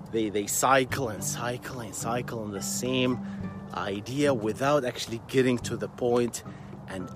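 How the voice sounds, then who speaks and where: A man in his thirties, a software engineer talking casually to camera, halting and repeating words with plenty of fillers. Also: mid-range voice. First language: Arabic.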